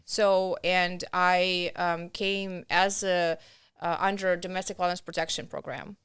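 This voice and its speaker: A woman in her thirties with a Russian accent, talking earnestly and haltingly as a podcast guest. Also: fairly low pitch, flat delivery, a bit bright, clear, resonant tone, dry recording, clean studio sound. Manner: earnest, halting, with restarts and non-native grammar. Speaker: podcast guest, nonprofit founder. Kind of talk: conversational interview.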